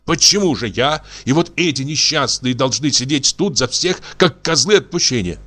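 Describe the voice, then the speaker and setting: A man's voice: medium pitch, expressive, moderate pace, sharp tone, soft background music, voice pushed up. A male narrator voicing an enraged mental patient who shrieks and mocks in a raised, strained voice. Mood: bitter. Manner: shrieking, accusing, mocking.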